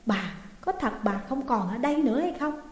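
A woman's voice: fairly high pitch, animated, moderate pace, a little mellow, natural voice. A woman doing a bewildered father. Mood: puzzled. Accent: Southern Vietnamese. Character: bewildered middle-aged father. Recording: echoey room with long reverb.

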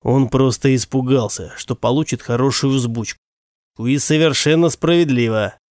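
Мужчина в роли злого, язвительного отца. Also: male voice, medium pitch, moderate pace, no echo, studio quality, close to an everyday voice. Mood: cold scornful. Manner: cold and sarcastic, bursting into shouts. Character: stern, scornful, hot-tempered father, grown man.

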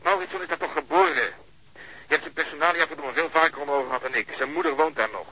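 A man's voice: on the high side, sing-song, fast talker, gravelly, bright, forceful tone, husky, exaggerated voice, low-quality recording. An actor playing a wisecracking policeman on surveillance in a radio drama, with a sardonic, joking manner. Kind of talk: naturalistic radio drama dialogue.

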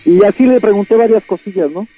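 A man calling in by phone, telling his story in an earnest, halting way. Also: high-pitched, husky, no room sound, faint music behind. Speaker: caller. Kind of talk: telling a personal story on a call-in show. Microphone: phone line. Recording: tinny dry phone line.

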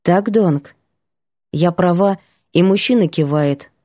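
Mellow-voiced woman reading a novel. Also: on the low side, slow, dry recording, studio quality. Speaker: audiobook narrator. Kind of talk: first-person novel narration.

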